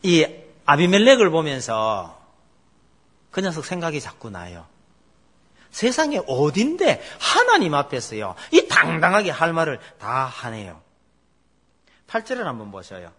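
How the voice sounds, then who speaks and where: A man's voice: on the high side, measured pace. A middle-aged man preaching a sermon as pastor, telling stories and asking the congregation questions. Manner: animated storytelling, asks the congregation questions.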